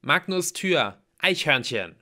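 A man's voice: a little high, lively intonation, moderate pace, sharp tone, voice pushed up. A man doing an eager young hallmate. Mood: urgent. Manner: earnest, urgent. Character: earnest young male hallmate, loyal and eager.

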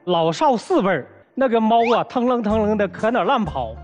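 Man, high voice, very lively pitch, complaining storyteller, faint music behind. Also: a little fast. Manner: colloquial northeastern speech, lively complaining. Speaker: guest husband.

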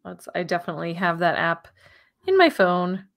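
A woman's voice: fairly low pitch, very animated, moderate pace, gravelly, fairly bright tone, no room sound, clean studio sound. A woman in her thirties co-hosting a casual livestream chat from home on a video call. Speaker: podcast co-host.

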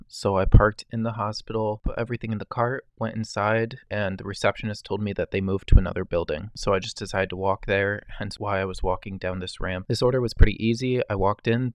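A man's voice: fairly low pitch, dry recording. A man narrating a voice-over review of a delivery gig, explaining things step by step in a matter-of-fact way. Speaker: delivery driver vlogger.

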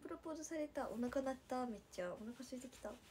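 A young woman with a Nagasaki accent, chatting on a sleepy late-night livestream and reading viewer comments, slipping into soft whispers. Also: high voice, lively intonation, rapid-fire, very noisy. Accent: Nagasaki dialect. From Nagasaki, Japan. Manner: drowsy, drifting into soft whispers, then bright squeals for viewers. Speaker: idol livestreamer.

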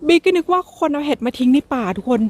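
A young adult woman chatting casually to her viewers while foraging outdoors in a forest, with excited exclamations. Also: sits high, fast talker, no room sound. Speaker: vlogger.

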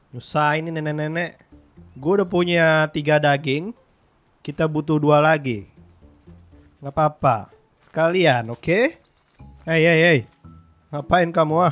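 Young Indonesian man, fairly high voice, casual game commentary, swears a lot. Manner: excitable, slangy, swears in English often. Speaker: gaming YouTuber.

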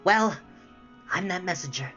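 Frightened wisp spirit done by a reader, high and breathless, dull lo-fi audiobook with soft music. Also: expressive. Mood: worried explaining. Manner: anxious, breathless, rushing. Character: frightened fluttering will-o'-the-wisp spirit, male.

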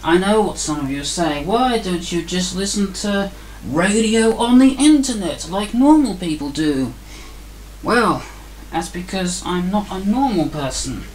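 A man's voice: high-pitched, expressive, unhurried, a little hiss or hum, poor audio. A man casually narrating a radio-building demo at his indoor workbench, grumpy and sarcastic in tone.

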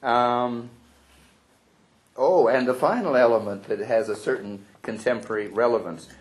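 A man on a panel comments on a historical newspaper spread in a medium-pitched voice at normal speed. He adds dry, wry asides and restarts a few times hesitantly.

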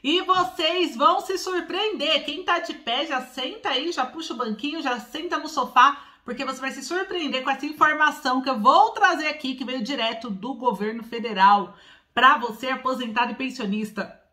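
A woman's voice: high-pitched, normal speed, pushed and bright. A woman in her forties with a São Paulo accent, hosting a news vlog straight to camera from a small room at home, drawing out key words with emphasis. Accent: Paulista Portuguese with rolled R. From São Paulo, Brazil. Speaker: channel host.

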